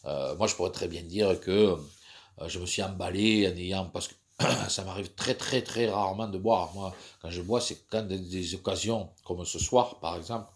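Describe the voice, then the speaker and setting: A man's voice: low voice, moderate pace. A man in his fifties with a cold, talking in a rambling, hesitant monologue full of fillers and restarts. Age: 50s. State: stuffy from a cold. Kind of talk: personal monologue.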